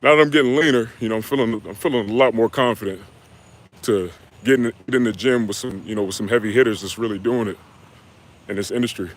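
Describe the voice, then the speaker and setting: A young man from the United States, a fitness coach answering viewers' questions on a live stream in a relaxed, slangy way. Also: on the low side, fast. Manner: laid-back, slangy, talks straight to viewers with "y'all" and "man". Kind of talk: live stream Q&A, reading chat comments.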